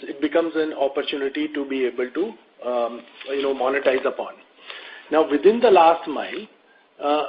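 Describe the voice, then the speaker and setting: A man speaking as a company executive, explaining things to investors on a conference call in a measured, methodical way. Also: on the high side, a little hiss or hum. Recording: muffled lo-fi conference call audio.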